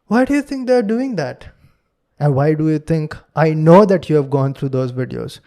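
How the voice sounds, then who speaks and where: Podcast host, young man, Indian English accent, warm tone, earnest lecturing delivery. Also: fairly high pitch, lively intonation, normal speed. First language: Hindi. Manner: earnest, lecturing, acts out quotes in a raised voice. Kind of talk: solo podcast monologue.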